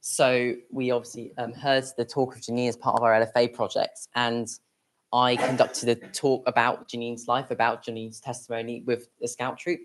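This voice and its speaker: A young adult with a mid-pitched voice speaks at a public event. The delivery is plain and explanatory, addressed to an audience. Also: little pitch movement, moderate pace, slight background noise.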